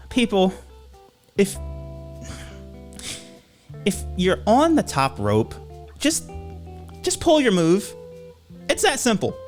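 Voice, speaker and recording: A man with a high, very lively voice co-hosts a casual podcast, reading tweets aloud with playful emphasis. He laughs often between lines, and faint music plays behind him. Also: extremely slow, long pauses. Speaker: podcast co-host. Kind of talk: casual chat.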